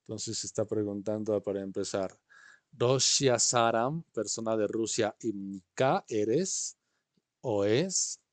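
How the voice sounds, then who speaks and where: A man's voice: on the low side, unhurried, darkish tone, no room sound. A man teaching an online class, patiently explaining and often checking in with his students. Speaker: language teacher. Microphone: video call.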